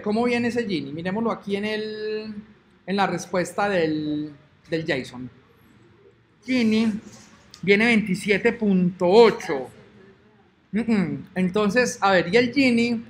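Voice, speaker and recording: A programming instructor talks through code on screen in a screen-recorded lesson, chatty and thinking aloud, humming "ta ta ta" while he waits. His voice sits high and a bit bright, with a little hiss or hum in the recording.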